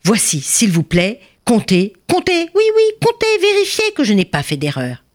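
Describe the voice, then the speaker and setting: A woman storyteller voicing a rich, anxious miser who speaks in a high, pleading, excitable way. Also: unhurried. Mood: insistent. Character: rich old miser, fussy and anxious man.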